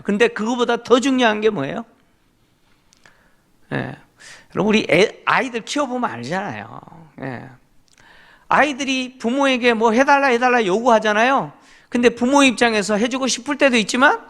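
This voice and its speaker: A middle-aged man whose voice sits high and sounds a bit bright preaches a Korean sermon as pastor. Emphatic throughout, he asks the congregation rhetorical questions, affirms with short interjections, and leads them in reading scripture aloud.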